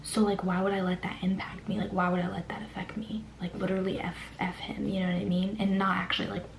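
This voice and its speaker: A woman's voice: medium pitch, little pitch movement, fast talker. A young woman whispering a personal story in a chatty way, full of "like" fillers. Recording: echoey room with faint hiss.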